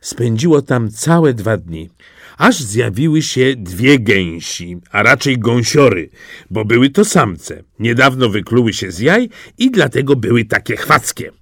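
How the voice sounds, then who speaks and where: A man reading a fairy tale audiobook in an expressive storytelling manner. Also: medium pitch, a little slow, dry recording, clean studio sound. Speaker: narrator.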